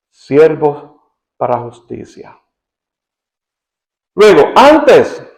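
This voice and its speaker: A man with a Cuban accent preaching a sermon, shifting between soft quoted passages and emphatic rising questions. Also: high-pitched, rough recording. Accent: Cuban Spanish. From Cuba. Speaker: pastor.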